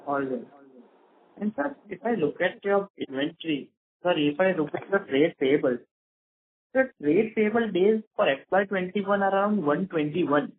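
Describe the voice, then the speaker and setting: A man's voice: sits high, normal speed, a little hiss or hum. A man with an Indian accent asking questions as an analyst on a business conference call, over a telephone line. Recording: narrow tinny phone line.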